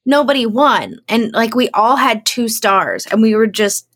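A woman co-hosting a podcast in casual chat, her voice hoarse, crunchy and giving out. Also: a little high, animated, unhurried, a bit bright. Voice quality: crunchy, creaky. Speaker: podcast co-host.

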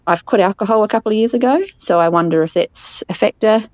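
A woman's voice: mid-range voice, fast talker, dry recording. A woman with a New Zealand accent leaving a voicemail, hesitant and searching for words. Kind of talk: voicemail message. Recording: dull lo-fi voicemail.

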